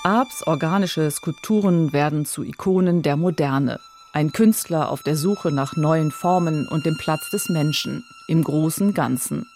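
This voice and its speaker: A woman narrating a scripted radio feature in a crisp, clipped storytelling manner. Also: low-pitched, a little slow, music in the background.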